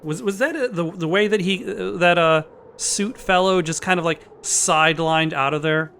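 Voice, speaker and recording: A man giving casual let's-play commentary, halting as he thinks aloud. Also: high voice, creaky, fairly bright tone, slight background noise. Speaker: let's player. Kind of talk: casual game commentary with read-aloud dialogue.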